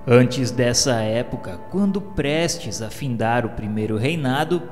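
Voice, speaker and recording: A Brazilian man reads scripted narration for a religious radio serial in a solemn, formal, literary style. His medium-pitched voice is expressive and a little slow, with music behind him and a long hall reverb.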